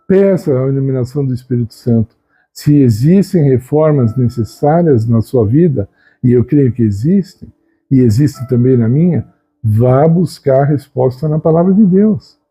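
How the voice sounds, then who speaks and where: A man giving an unhurried, conversational spiritual talk, often tagging his sentences with a questioning "né?". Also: mid-range voice, animated, dark tone, husky. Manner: unhurried, conversational, frequent "né?" tags. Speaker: Christian video host. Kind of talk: reflective spoken teaching.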